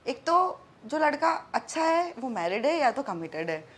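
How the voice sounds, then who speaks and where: Candid young woman, slightly high voice. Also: very animated, a little slow. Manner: chatty, candid, mixes English into her Hindi. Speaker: actress and guest. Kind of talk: casual interview chat in Hindi and English.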